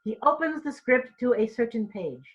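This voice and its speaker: A woman's voice: a little high, expressive, normal speed, breathy edge, narrow, tinny audio. A woman reading stage directions in an informal read-through, tripping over and repeating words now and then.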